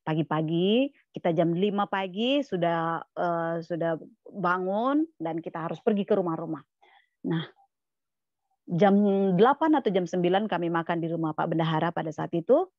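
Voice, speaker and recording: A woman with a lowish voice tells her testimony to a church congregation, plainly and with many restarts. The recording is dry and a little muffled. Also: lively intonation, moderate pace, dry recording. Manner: plain storytelling, repeating words and restarting, quoting others. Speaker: guest speaker at a church service. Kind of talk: testimony sermon, storytelling.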